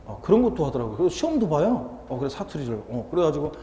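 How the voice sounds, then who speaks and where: Seoul guy teaching tax law, rambly jokey lecture, stuffy nose, kinda mellow voice, boomy room. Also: very animated, very fast, slight background noise. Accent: Seoul Korean. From Seoul, Korea. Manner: chatty, jokey, mimics dialects. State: slightly stuffy, with a runny nose. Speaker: real estate tax lecturer. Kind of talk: classroom lecture with digressions. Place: lecture classroom. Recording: roomy, reverberant classroom with faint ambience.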